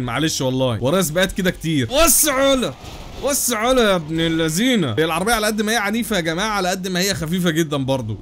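A young Egyptian man rattling off gameplay commentary at breakneck speed in a high, bright voice. He exclaims often and talks straight to his viewers, recorded on a desk mic with a faint hum behind him. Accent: Egyptian Arabic. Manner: rapid, excitable, exclaiming and laughing, addressing viewers. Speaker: gaming YouTuber.

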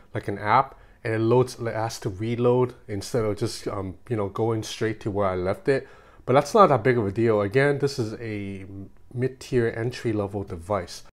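A man in his thirties giving a casual, conversational hands-on tech review in an informal way. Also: medium pitch.

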